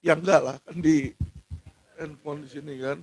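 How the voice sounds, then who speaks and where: Indignant high-voiced man. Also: fairly even intonation, normal speed, husky, no echo. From Indonesia. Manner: indignant, rising to shouts. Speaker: lawyer speaking out on legal injustice. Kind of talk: impassioned monologue to camera.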